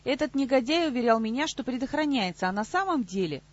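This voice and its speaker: A loud, shrill woman who scolds and hisses, as a female narrator puts her on. Her voice runs high and husky, heard on a dull, lo-fi audiobook recording. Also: animated, fast talker. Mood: indignant. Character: brash, aggressive woman, loud and demanding. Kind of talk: audiobook character voice.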